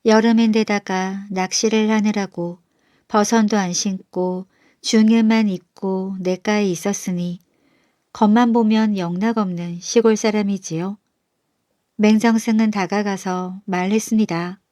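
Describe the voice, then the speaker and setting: A woman storyteller narrating an old folktale for bedtime, gentle and unhurried. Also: medium pitch, steady tone, dry recording.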